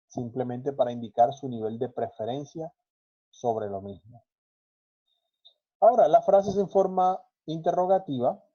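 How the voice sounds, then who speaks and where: Dark-voiced man teaching English grammar. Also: mid-range voice. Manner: patient, explanatory, slows down to pronounce English examples. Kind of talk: online class explanation. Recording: dull lo-fi online class audio.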